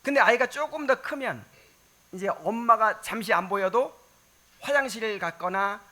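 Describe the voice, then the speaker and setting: A man's voice: sits high, animated, moderate pace, sharp tone. A man preaching a sermon as pastor, talking conversationally and asking the congregation questions.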